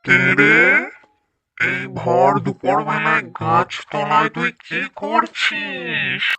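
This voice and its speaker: A man voicing a white-haired old female ghost in a cartoon, bossy but kind-hearted, with theatrical drawn-out exclamations. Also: high-pitched, big pitch swings, a loud crowd, exaggerated voice. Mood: challenging. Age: older. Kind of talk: Bengali horror-comedy cartoon voice acting.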